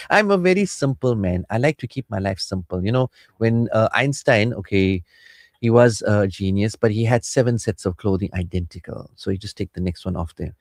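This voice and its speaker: A man's voice: on the low side, moderate pace, a little mellow, dry recording, clean studio sound. A man with a South African Indian accent chatting casually as a radio host and counsellor, playful and rambling. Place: radio studio.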